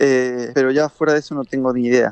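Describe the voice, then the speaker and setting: Fairly even intonation is heard over music in the background. The sound is dry and close, with no echo. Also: man. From Spain, Linares (Jaén), Andalusia. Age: 20s. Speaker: aerospace engineer. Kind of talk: interview.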